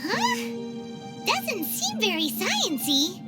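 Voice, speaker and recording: A woman voicing a tiny, bossy floating girl companion in a game, shrill and quick to take offense. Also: wildly swooping pitch, heavily acted. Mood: alarmed. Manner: shrill, indignant, quick to squawk. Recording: game audio with loud music.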